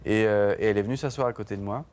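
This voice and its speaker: A band's songwriter, a guest in a TV studio interview, talks casually and hesitantly, with many fillers and restarts. He has a lowish voice with a darkish tone and speaks very fast.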